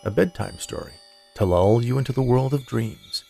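A man narrating scripted stories as a podcast host, with a measured, dramatic delivery and deliberate pauses. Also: mid-range voice, gravelly, mellow, faint music behind.

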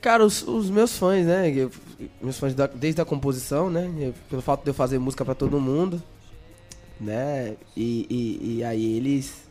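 Soft background music plays as a young Bahian man speaks at a moderate pace in a darkish mid-range voice. A songwriter with a Bahian Brazilian Portuguese accent, he jokes and chats loosely in an interview, often repeating words in a stammer.

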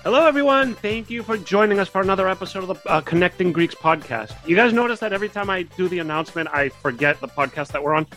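A man hosting a podcast, chatty and relaxed as he opens the episode. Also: high voice, fast, few pauses, soft background music. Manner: chatty, laughs easily. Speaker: podcast host.

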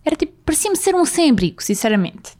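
A woman's voice: high-pitched, sing-song, fast, dark tone. A young woman telling a story on a podcast, hesitant and full of filler words. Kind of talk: casual chat.

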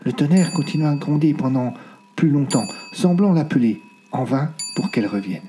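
A man narrating a novel in an expressive, dramatic storytelling manner. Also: on the high side, moderate pace, soft background music. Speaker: audiobook narrator. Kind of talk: scripted narration.

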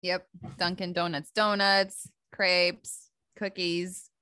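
A woman's voice: on the low side, flat delivery, slow, bright, forceful tone, clear, resonant tone, no echo. A young woman from Poland co-hosting a podcast, chatting casually and giggling often. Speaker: podcast co-host. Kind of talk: casual chat.

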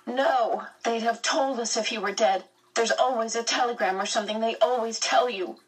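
A woman reading aloud, voicing a kind teenage boy who talks to a friend gently and reassuringly. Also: fairly high pitch, normal speed, husky, far from the mic, voice pushed up, poor audio. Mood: gentle.

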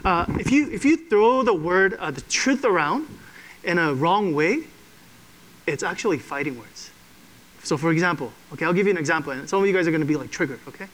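A man's voice: a little high, animated, brisk, a bit bright, low-quality recording. A man preaching a sermon to a congregation in a conversational way, often checking in with "okay?". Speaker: pastor.

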